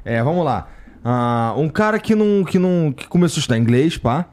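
A man hosting a casual podcast chat, relaxed and cutting in with quick questions. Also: a little high. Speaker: podcast host.

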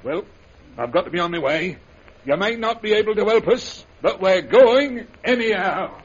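A desperate working-class father in an old radio serial. His high, husky, gravelly voice swings widely as he pleads. The recording is dull and lo-fi. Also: lively intonation, normal speed. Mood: eager. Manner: pleading, hesitant, full of "uh"s. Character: anxious working-class father searching for his lost son. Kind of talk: 1930s radio drama acting.

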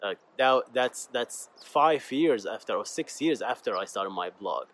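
This solo podcast host is a man in his thirties from Bahrain whose native language is Arabic, and it shows in his accent. His medium-pitched, fairly bright voice is expressive and a little slow as he rambles informally through personal stories, addressing listeners as "guys."

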